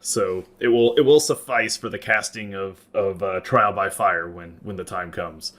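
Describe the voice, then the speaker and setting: A man narrating and refereeing a tabletop role-playing game as game master, conversational and pausing to explain rules. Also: on the low side, fairly bright tone.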